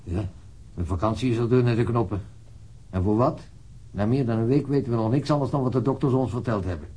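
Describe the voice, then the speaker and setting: An actor playing a frustrated local police detective in a radio drama, dry and matter-of-fact. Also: male voice, mid-range voice, brisk, dark tone, slightly rough, lightly acted. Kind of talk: radio drama acting, naturalistic.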